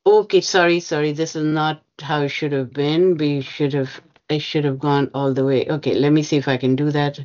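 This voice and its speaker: A woman's voice: low voice, fairly even intonation, moderate pace, few pauses, darkish tone, highs cut off. A woman presenting slides to a bargaining meeting over a video call, hesitant with many fillers. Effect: heard over a video call. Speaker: union bargaining representative.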